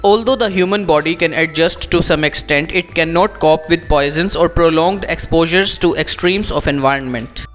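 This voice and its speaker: High-pitched Indian man, teacher reading aloud. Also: moderate pace, hardly any pauses, fairly bright tone, faint music behind. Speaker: English exam coach. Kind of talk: instructional read-aloud with tips.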